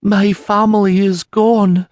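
A man voicing a grieving young peasant mother, tearful and humble, speaking in halting, broken phrases. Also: sits high, little pitch movement, a little mellow, no room sound, pitched above the performer's own voice. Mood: grief-stricken.

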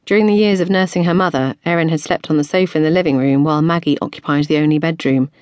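A woman narrating an audiobook in an expressive, playful storytelling manner, recorded on a studio mic. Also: deep voice, fast, no room sound. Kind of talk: scripted narration.

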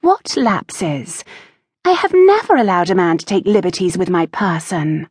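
A woman's voice: on the low side, expressive, unhurried, darkish tone, slightly rough, no echo, studio quality, pitched above the performer's own voice. A woman playing an indignant young noblewoman. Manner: protesting, indignant.

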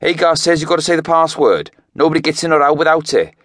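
A man's voice: a little high, fast talker, a bit bright, no room sound, studio quality, voice pushed up, lightly acted. A man voicing a skinny, tetchy Welsh teenage boy with a cheeky, teasing manner.

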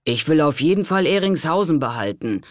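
A man's voice: a little high, very animated, a little fast, no echo, clean studio sound, voice pushed up. A man reading an audiobook, voicing a greedy, petulant young nobleman who makes demands. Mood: demanding.

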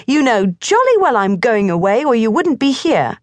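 A woman's voice: a little high, very animated, moderate pace, no echo, pitched above the performer's own voice. A woman doing an earnest, pleading young boy. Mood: scornful. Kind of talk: audiobook character voice.

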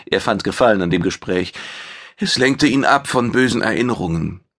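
A man narrating a science fiction audiobook in a measured, even storytelling manner. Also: lowish voice.

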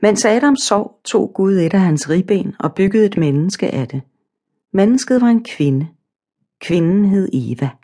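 A woman narrating a children's storybook audiobook in a calm, simple, measured way. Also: medium pitch.

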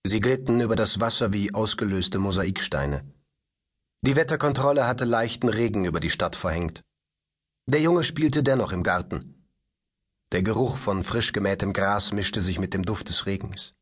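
Male audiobook narrator: husky, lively intonation, mid pitch, scripted reading. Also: normal speed. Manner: expressive, varied storytelling delivery.

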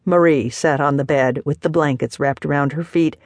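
A woman narrating a novel as an audiobook, measured and expressive. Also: low voice, no room sound. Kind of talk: scripted narration.

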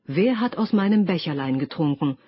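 Fussy, kindly fairy-tale dwarfs read by a woman, husky and dry, dull audiobook recording. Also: on the low side, lively intonation, moderate pace, no room sound. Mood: puzzled. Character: seven kindly little male dwarfs, fussy.

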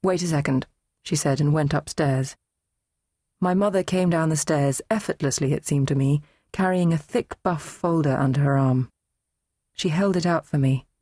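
A woman reading a novel aloud in first person, measured and composed. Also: low voice, warm tone, no room sound. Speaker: audiobook narrator. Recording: dry, close studio read.

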